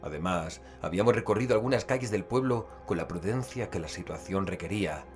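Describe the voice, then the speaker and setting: A man acting a deep-voiced, grave investigator narrator. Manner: measured, grave, literary storytelling. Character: male investigator gravely recounting a cosmic horror expedition. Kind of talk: scripted audio drama narration.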